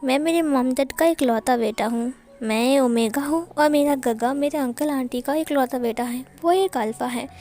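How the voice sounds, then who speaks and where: A woman's voice: high voice, darkish tone. A woman voicing a shy, flustered young male college student in an amateur fan-fiction reading, stammering as she goes.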